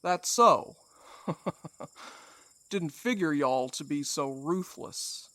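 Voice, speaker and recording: A man plays a menacing gentleman villain in an audio drama. He drawls slowly in a fairly high male voice, theatrically polite and taunting. The sound is close and dry. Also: animated, no room sound, exaggerated voice. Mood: smug, measured. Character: menacing folksy supernatural man, taunting, mock-courteous cowboy villain. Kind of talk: audio fiction drama acting.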